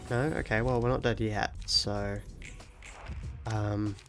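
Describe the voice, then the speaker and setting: A young man streaming a video game while ill with a cold, sounding nasal and stuffy, talking quietly with low energy and chuckling now and then. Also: level tone, slow pace, faint music behind. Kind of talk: casual live-stream chat while playing.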